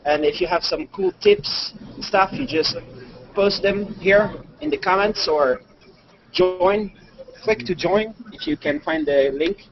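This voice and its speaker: A man's voice: sits high, animated, measured pace, noisy background. A man live-streaming a video blog on his way to a convention, chatting casually with many fillers and restarts. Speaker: video blogger. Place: walking through a busy convention and monorail. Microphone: head-mounted display mic. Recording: dull lo-fi live stream with crowd behind.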